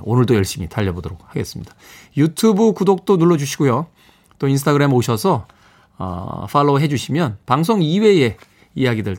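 A man's voice: mid-range voice, husky. A man from Seoul hosting a morning radio show, reading listener texts playfully with chuckles. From Seoul, South Korea. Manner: lively, playful, chuckles between messages. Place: radio studio.

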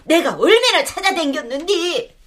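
A woman's voice: very high-pitched, big pitch swings, normal speed, fairly bright tone, exaggerated voice. Actress as a rambling old grandmother with dementia. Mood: accusing. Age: older. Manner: rambling, accusing, sing-song. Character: confused elderly grandmother with dementia, blunt and scolding. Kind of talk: TV or radio drama acting.

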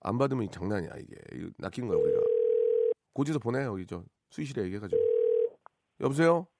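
A man hosting a phone-in radio show, teasing callers with deadpan banter. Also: fairly low pitch, quick pace, very noisy. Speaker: radio host. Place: radio studio.

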